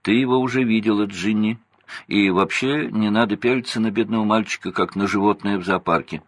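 A man's voice: lowish voice, fairly quick, pitched above the performer's own voice, natural voice. A man voicing a proud, strict mother who scolds and fusses over her children. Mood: stern.

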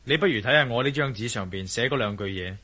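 A man playing a calm, decisive adventurer hero in a Cantonese radio play, talking in a terse, businesslike way. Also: medium pitch, fast talker, slight background noise. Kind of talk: radio drama acting.

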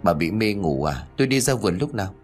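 A man voicing a confused, stubborn elderly village husband who flatly denies what he has just done. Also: fairly low pitch, fast, faint music behind. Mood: puzzled. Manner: blunt, deadpan denials.

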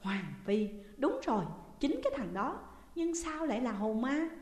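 A woman playing an older Southern Vietnamese mother, anxious and easily shaken, with sharp exclamations in a high voice. The storybook reading has a roomy sound with a long echo tail. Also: lively intonation, normal speed, lightly acted. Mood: startled. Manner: exclaiming then faint. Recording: echoey room with long reverb.

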